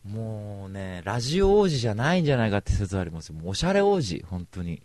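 A man hosting a radio show, telling a comic story in rough, blunt casual speech and retelling it with big exaggeration. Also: lowish voice, big pitch swings, fast, a little mellow, no room sound, studio quality.

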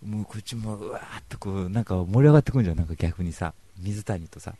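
A man's voice: sits low, fast talker, slightly rough, no echo. A young man hosting a live radio talk show, telling stories in a casual, joking way. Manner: animated, joking storyteller.

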